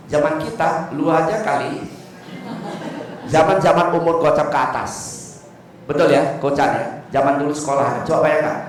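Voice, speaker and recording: An older man gives a lively Buddhist sermon with a fairly high voice. He jokes and keeps checking that his audience agrees. The sound is echoey and distant, with a faint hiss underneath. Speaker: Buddhist Dhamma speaker. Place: temple hall. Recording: echoey hall, distant mic.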